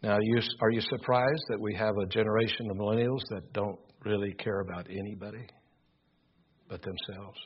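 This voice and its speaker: An older male preacher with a loud, husky voice delivers an earnest sermon. He presses his points with emphatic repetition. The recording sounds dull and lo-fi. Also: lowish voice, fairly even intonation, normal speed. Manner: earnest, emphatic, repeats words while building points.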